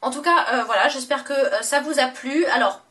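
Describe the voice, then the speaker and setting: A young woman with a fairly high voice gushes over her beauty products in a relaxed, chatty vlog. She trails into fillers and corrects herself often. Her voice sounds a little distant from the camera mic. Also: brisk. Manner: chatty and gushing, many fillers and self-corrections. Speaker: beauty vlogger. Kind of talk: casual makeup haul vlog.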